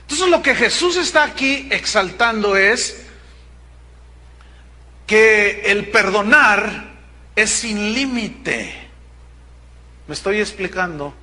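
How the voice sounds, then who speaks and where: A pastor in middle age delivers a sermon in a high, forceful voice. He leans on his points with emphasis and keeps asking his listeners whether they follow him. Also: animated, takes it slowly, long pauses. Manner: emphatic, with rhetorical check-ins to the congregation.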